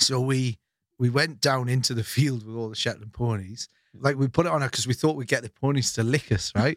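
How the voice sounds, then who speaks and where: Here a man talks at a fairly quick pace in a plain, everyday voice of medium pitch. The recording is very clean with a silent background and sounds dry and close, with no echo. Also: ordinary pitch variation. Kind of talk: casual chat.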